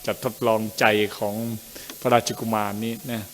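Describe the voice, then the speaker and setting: A male Dharma teacher reads scripture aloud, sounding out the Pali words haltingly, correcting himself and adding chatty asides. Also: on the low side, level tone, long reverb tail, slight background noise. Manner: chatty asides ending in gentle particles. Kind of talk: reading scripture aloud with commentary.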